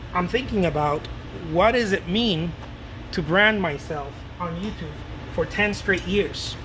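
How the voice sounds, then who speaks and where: Late-30s guy, kinda high voice, rambly chatty vlog talk, aircon humming behind. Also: noisy background. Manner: loose and animated, repeats words, swears casually. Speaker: painter talking to his viewers. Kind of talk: casual rambling talk to camera.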